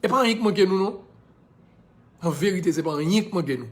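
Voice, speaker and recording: Man, Haitian accent, slightly high voice, impassioned, preachy, casual live video monologue. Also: lively intonation, brisk. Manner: impassioned, preachy, slips into English phrases. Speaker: social media personality.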